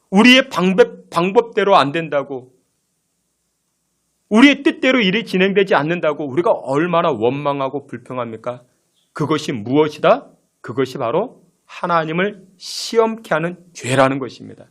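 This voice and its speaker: A man's voice: a little high, a bit bright. A male pastor preaching a sermon, emphatic, posing rhetorical questions and acting out the complaints of his listeners.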